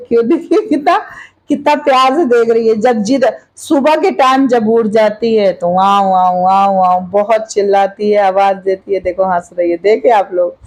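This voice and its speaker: A woman's voice: mid-range voice, darkish tone, rough recording. An older woman, a grandmother vlogging at home, coaxing her baby granddaughter with repetitive sing-song baby talk into a hand-held clip-on mic. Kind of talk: home family vlog.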